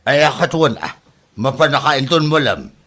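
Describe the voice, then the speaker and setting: A man's voice: mid-range voice, animated, moderate pace, background noise, close to an everyday voice. A man with an Ilocano accent playing a grown son who lectures and scolds his family in a comedy drama. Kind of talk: scripted drama acting.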